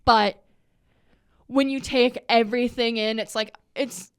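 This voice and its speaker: Young woman rambling on a podcast, smooth clear voice, kinda high, lots of likes and ums. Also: fairly even intonation, measured pace. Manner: rambling, with frequent fillers and restarts. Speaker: podcast co-host. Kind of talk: casual chat.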